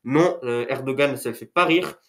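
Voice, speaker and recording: A man's voice: medium pitch, moderate pace, a bit bright. Male youtuber, chatty and goofy, self-mocking, a bit sniffly from a cold, talking to camera at home. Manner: rambling, joking, self-mocking asides. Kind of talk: casual talking-head video. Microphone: camera mic.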